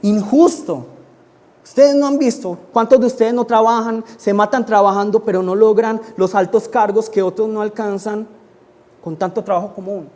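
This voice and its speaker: A man's voice: sits high, fairly even intonation, normal speed, mellow. A man preaching a sermon, pleading and emphatic, with sudden rises and drops. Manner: emphatic preaching, rising in pleas and dropping in asides. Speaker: pastor.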